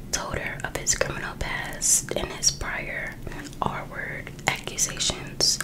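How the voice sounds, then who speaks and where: An American woman reads aloud in a soft, unvoiced whisper for ASMR. Her delivery is very slow and breathy. She keeps it hushed and informal, like someone reading a book aloud with her own casual remarks. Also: rough recording. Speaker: ASMR host reading a true crime book.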